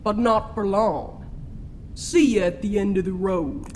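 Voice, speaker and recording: Ancient trickster spirit played by an actor for audio drama: unhurried, folksy, theatrical, world-weary, mid-range voice. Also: medium pitch, slight background noise, lightly acted. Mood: cryptic. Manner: slow drawling folksy speech, theatrical. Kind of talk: scripted audio drama acting.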